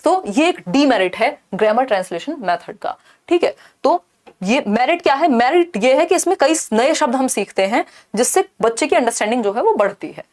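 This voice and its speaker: A woman teaching an exam-prep class, her voice sitting a little high. She walks through each point step by step and slips English terms into her explanation. She keeps asking rhetorical questions and checking that the class is following along. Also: animated, moderate pace, a little mellow. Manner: asks rhetorical questions and checks in with "thik hai".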